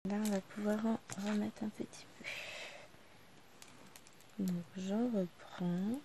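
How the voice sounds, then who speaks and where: A woman's voice: medium pitch, steady tone, slow, noisy background. A woman in her thirties, a vlogger chatting casually to the camera while she works on a craft at home. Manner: chatty, talking quietly to the camera while working. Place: living room at home.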